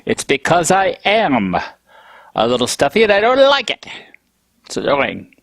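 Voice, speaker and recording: A man's voice: on the high side, wildly swooping pitch, unhurried, gravelly, a bit bright, no room sound, clean studio sound. A man hosting a tech show alone, stuffy from a cold, talking casually with grumpy, self-mocking humor. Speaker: podcast host.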